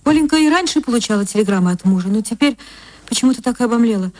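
Gentle higher-voiced woman narrator. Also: animated, very fast, slight background noise. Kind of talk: literary audiobook reading.

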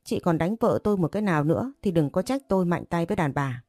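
A woman's voice: fairly low pitch, expressive, fast, a little mellow, no echo, studio quality. A woman voicing a hot-tempered young husband who scolds and threatens to defend his wife, in a storybook reading. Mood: angry.

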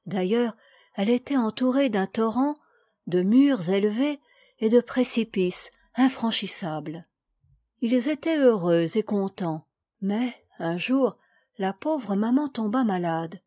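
A woman reading a classic children's tale aloud in a measured, expressive storytelling manner. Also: medium pitch, dry recording, clean studio sound. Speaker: reader.

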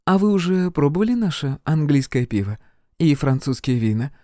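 A man's voice: on the high side, sing-song, normal speed, no echo, studio quality, pitched above the performer's own voice. A man doing a gracious old duchess. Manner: warm, grand, gently commanding. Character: older dowager duchess, gracious and shrewd.

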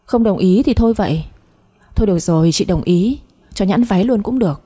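A woman reading a blunt, sharp-tongued young woman. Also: medium pitch, fairly quick, breathy edge, close to an everyday voice. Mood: teasing. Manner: outspoken, mocking.

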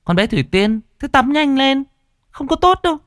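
A man's voice: big pitch swings, normal speed, fairly bright tone, no echo, clean studio sound, full character voice. A man voicing a middle-aged mother who nags her daughter through a door in a ghost story. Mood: nagging. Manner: scolding, shrill nagging.

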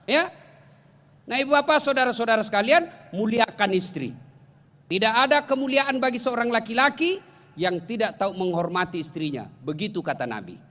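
A man preaching to a congregation with a high, bright voice, mixing jokes and stories into his sermon. He talks straight to the listeners and teases them. His voice rings with the long reverb of a large hall. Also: normal speed. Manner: jokey, animated storytelling, addresses the audience directly. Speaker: Islamic preacher.

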